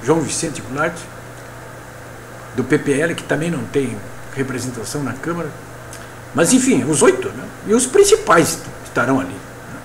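A man's voice: mid-range voice, big pitch swings, normal speed, long pauses, echoey room, a little hiss or hum. An older man from Brazil giving casual, opinionated political commentary to a webcam in his home office, often tagging questions onto his points. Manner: chatty, opinionated, frequent tag questions. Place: home office with bookshelf, indoors. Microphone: webcam at desk.

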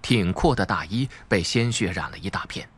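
Casting: male audiobook narrator, lowish husky voice, dramatic scripted delivery for suspense fiction. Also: animated, moderate pace, fairly bright tone.

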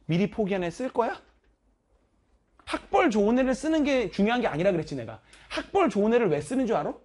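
Woman, math teacher, emphatic scolding banter, slightly raspy, lively intonation. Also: on the high side, fast. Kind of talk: casual motivational talk to students.

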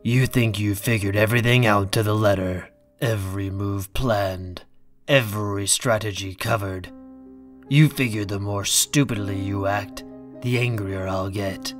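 A man's voice: lowish voice, lightly acted. A man playing a proud, coldly angry man in an audio drama, speaking with cutting, sardonic control. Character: proud, defiant, coldly angry man facing his enemy.

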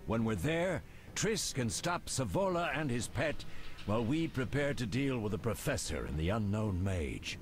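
A man's voice: mid-range voice, very animated, normal speed, slight background noise, close to an everyday voice. Actor voicing a stern old witcher mentor. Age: older. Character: older male witcher mentor, stern and commanding. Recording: game audio with loud music behind.

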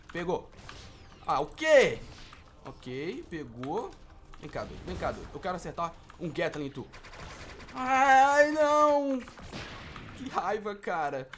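A man's voice: sits high, a bit bright, slight background noise. A young man with a Brazilian accent, giving emotional gameplay commentary and exclaiming at every hit and miss. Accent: Brazilian Portuguese. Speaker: gaming video host.

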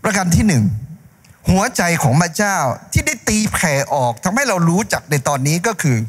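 A middle-aged man preaches from a church stage with a handheld mic, his voice unusually high and full of lively rises and falls. He talks in an animated way, gesturing as he goes. The sound carries a long reverb from the hall. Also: a little fast. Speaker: pastor. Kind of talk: sermon.

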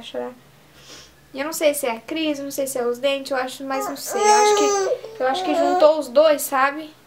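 Young mother vlogger, chatty, high-pitched, noisy home recording. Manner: chatty, coos and sings to her baby. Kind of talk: casual vlog to camera. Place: bedroom at home.

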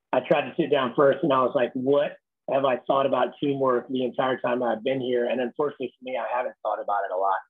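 A raspy-voiced man in his thirties, a Marine Corps officer giving a blunt, casual leadership talk over a video call. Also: mid-range voice. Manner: plainspoken, blunt, casual military slang. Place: small room indoors. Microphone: laptop webcam on a video call. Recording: tinny video call audio.

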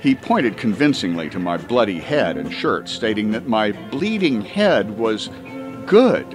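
A man reading a comic first-person story as an audiobook, with dramatic emphasis and drawn-out words. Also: fairly low pitch, big pitch swings, over music. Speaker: audiobook reader.

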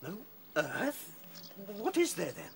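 A man's voice: high voice, huge pitch swings, slow pace, vocal fry, a little hiss or hum, heavily acted. An actor with a British accent playing a clever, questioning male rabbit in a radio play. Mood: curious. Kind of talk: radio drama acting.

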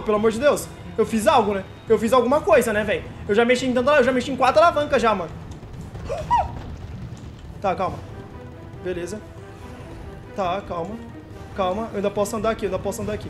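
A young man streaming a horror game, panicking, repeating himself and shrieking when scared, shaky and sweating. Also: high-pitched. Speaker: gamer streamer. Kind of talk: horror game let's play commentary.

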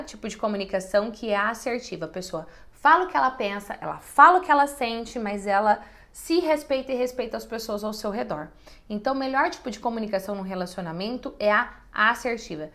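Woman host, bright and fairly high voice, direct and expressive, casual advice answering viewers. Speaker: host giving relationship advice.

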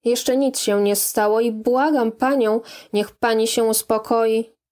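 A hesitant, evasive young man, as a woman reads him in an audiobook. He speaks gently and carefully, at an unhurried pace, in a fairly high voice. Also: steady tone, close to an everyday voice.

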